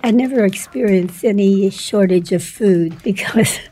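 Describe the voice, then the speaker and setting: An older woman telling the story of her childhood in an oral history interview, slow and plain, with soft laughs. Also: mid-range voice, slightly rough, low-quality recording.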